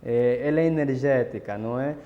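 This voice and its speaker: A man's voice: medium pitch, a little fast, dull audio, soft background music. Man explaining in a roomy hall. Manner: lecturing, explanatory, frequent tag questions. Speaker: interviewee explaining ritual tradition. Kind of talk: documentary interview. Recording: roomy echo with long reverb.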